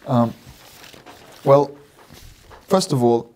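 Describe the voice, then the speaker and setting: This London man in his thirties has a warm, dark voice of medium pitch and talks extremely slowly. He is a guest religious scholar giving an earnest explanation on a studio podcast, emphatic and fond of repeating phrases in lists. The small set is decorated with plants, and he uses a desk microphone on a stand.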